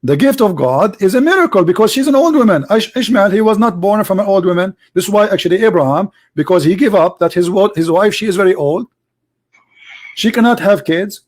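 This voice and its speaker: Arab speaking guy debating religion, english, keeps repeating questions, kinda high voice. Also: animated, a little fast, a little mellow. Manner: insistent, repeats questions, non-native English phrasing. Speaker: host debating religion with a caller.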